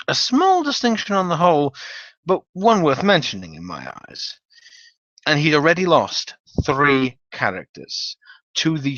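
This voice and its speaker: Animated man reading a story, roomy sound. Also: fairly high pitch. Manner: theatrical, animated, wry delivery with profanity. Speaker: narrator reading a story aloud. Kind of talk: dramatic reading of a humorous tabletop gaming story. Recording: dull, roomy home recording.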